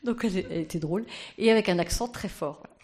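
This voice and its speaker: A woman's voice: mid-range voice, fast, a little mellow. A woman giving an anecdotal conference talk as postulator of a sainthood cause, chatty and full of fillers.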